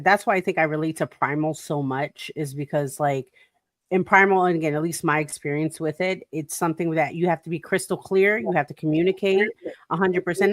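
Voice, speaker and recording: A woman co-hosting a talk show in casual, animated chat, laughing and putting on playful voices as she talks. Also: sits low, dry recording. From Puerto Rican heritage. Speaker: podcast co-host.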